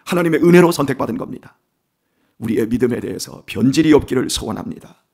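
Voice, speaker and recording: A male pastor giving an early-morning sermon in a conversational way, asking the congregation questions and moving between quiet asides and emphatic declarations. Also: mid-range voice, lively intonation, quick pace, creaky. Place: church sanctuary.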